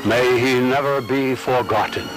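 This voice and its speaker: A man playing a grieving Native American who solemnly and haltingly mourns a lost brother. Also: medium pitch, steady tone, music in the background, pitched above the performer's own voice, close to an everyday voice, low-quality recording. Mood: mournful. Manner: slow, solemn, halting lament.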